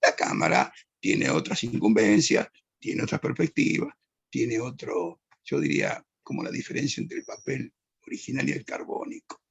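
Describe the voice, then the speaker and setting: Older judge, gravelly rasp, lively rambling storyteller. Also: male voice, medium pitch, moderate pace. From Argentina. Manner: reminiscing, digressive, self-correcting. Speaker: judge, interview guest. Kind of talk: anecdotal interview answer.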